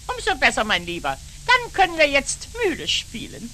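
A woman's voice: sits high, wildly swooping pitch, normal speed, sharp tone, slight background noise, full character voice. An actress playing a fussy, bossy female magpie in a children's puppet show, prim and scolding, with lots of exclamations. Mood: quarrelsome.

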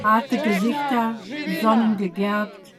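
An actress playing a plain-spoken local woman guide with a foreign accent and halting, simple phrasing, in a radio play. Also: a little high, steady tone, loud music behind the voice. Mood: matter-of-fact.

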